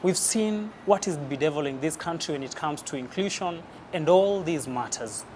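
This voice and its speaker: A man's voice: on the high side, animated, normal speed, darkish tone, a little hiss or hum. A man with a Kenyan accent hosting a live talk show, with a formal, polished presenter's delivery.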